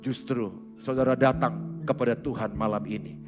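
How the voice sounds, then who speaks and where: A man, a pastor preaching a sermon in a church hall, animated and given to sudden loud exclamations. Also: medium pitch, normal speed, over music.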